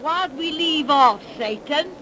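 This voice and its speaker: A woman voicing an old cackling witch who tells tales in a slow folksy dialect drawl, in 1930s radio drama style. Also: high-pitched, lively intonation. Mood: eerie folksy. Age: older. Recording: noisy 1930s radio recording.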